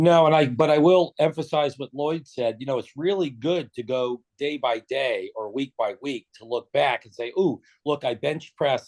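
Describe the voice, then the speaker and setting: A man with a plain, everyday voice and fairly high pitch talks at a moderate pace with ordinary pitch variation and hardly any pauses, in a dry, close sound with no echo. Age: 60s. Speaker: fitness client, surgeon. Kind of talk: interview.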